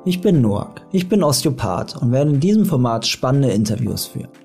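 A young adult man with a mellow, dark-toned voice hosts a podcast, calm and measured. He reads his introduction and then asks his guest questions, with faint music behind him. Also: medium pitch, creaky. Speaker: podcast host and osteopath. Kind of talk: read podcast intro and interviewing.

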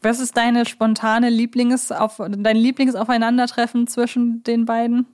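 A woman's voice: a little high, completely flat delivery, moderate pace, a little mellow. Woman chatting as a podcast co-host. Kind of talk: casual conversational discussion.

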